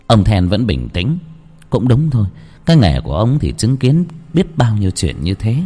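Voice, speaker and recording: A man narrating a horror story in a slow, dramatic scripted style. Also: breathy edge. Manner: slow, dramatic, lively pitch. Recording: long hall reverb, faint music.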